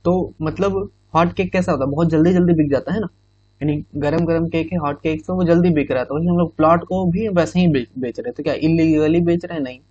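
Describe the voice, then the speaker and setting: A man's voice: on the high side, brisk, darkish tone, slightly rough, dry recording. Man teaching idioms in a dull recording. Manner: repeats "ठीक है" often, explains in Hindi with English phrases. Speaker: exam prep teacher. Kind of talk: explaining idioms to students.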